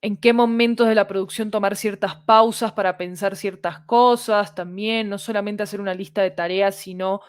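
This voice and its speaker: A woman's voice: mid-range voice, steady tone, normal speed, hardly any pauses, clean tone, dry recording. Woman explaining conversationally, dry sound. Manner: discursive, checks with rhetorical tag questions. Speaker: podcast guest, fiction audio producer.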